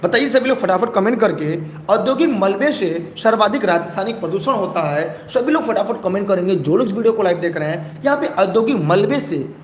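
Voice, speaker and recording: High-pitched male teacher in an echoey room. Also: animated, fairly quick, few pauses. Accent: Hindi, eastern Uttar Pradesh. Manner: urges viewers to comment, repeats phrases. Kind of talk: live online exam-prep lesson. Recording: echoey room, faint background noise.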